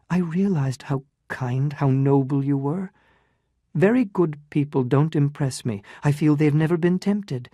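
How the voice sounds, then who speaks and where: A woman's voice: low voice, warm tone, no room sound, voice pushed up. A reader voicing an anguished, restrained young woman in a dramatized story reading, with emotional, pleading delivery.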